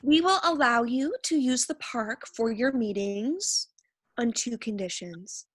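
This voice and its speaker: A woman's voice: fairly high pitch, measured pace, fairly bright tone, husky, no room sound. A woman playing a smug, territorial mean girl who leads a club, haughty and taunting in a comedy sketch. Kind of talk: comedy sketch staged reading.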